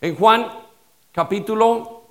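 A male pastor preaching a sermon with rhetorical questions and repetition, swinging between loud stress and quiet dropped lines. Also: sits high, takes it slowly.

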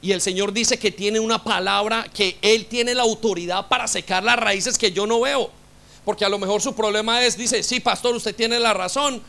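A male pastor preaching with passion, his voice pitched high for a man and ringing bright. He presses his listeners with rhetorical questions. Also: fairly even intonation, normal speed, vocal fry. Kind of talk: sermon.

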